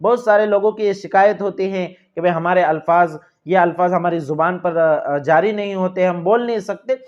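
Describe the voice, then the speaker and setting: Earnest male religious teacher, Pakistani Urdu accent, high-pitched, repeats his points, muffled lo-fi audio. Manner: earnest and repetitive, addressing viewers as dear friends. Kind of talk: religious instruction. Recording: dull lo-fi sound.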